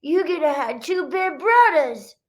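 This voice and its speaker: A woman voicing a patient but exasperated mother in a children's storybook read-aloud, reasoning and gently scolding. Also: sits high, very animated, unhurried, pitched above the performer's own voice. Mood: reassuring. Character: patient but exasperated mom of squabbling siblings.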